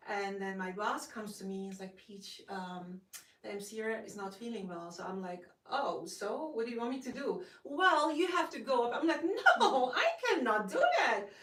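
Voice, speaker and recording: A young woman from the Netherlands speaks English with a Dutch accent, her voice a little high. She gushes eagerly, padding her answers with fillers. She sounds set back from the mic in a roomy space. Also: animated, moderate pace, a bit bright, recorded from a distance. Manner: gushing, enthusiastic, many fillers. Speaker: guest actress. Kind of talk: casual interview.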